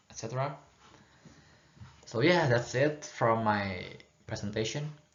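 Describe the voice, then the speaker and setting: Speaking at a fairly slow pace, a man with an Indonesian accent keeps a medium pitch with ordinary pitch variation. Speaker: university student. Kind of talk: presentation. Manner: halting.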